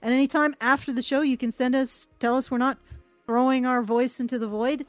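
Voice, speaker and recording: A woman co-hosting a podcast, chatty and lively in casual talk. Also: sits high, a little fast, dry recording, faint music behind. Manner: chatty, lively, giggles often. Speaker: podcast co-host. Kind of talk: casual chat.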